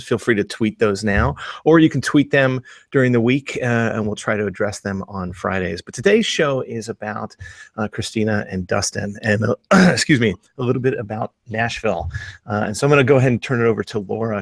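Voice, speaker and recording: A man's voice: medium pitch, no room sound. A man hosting a casual panel chat, upbeat and hesitant, with many fillers. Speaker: host.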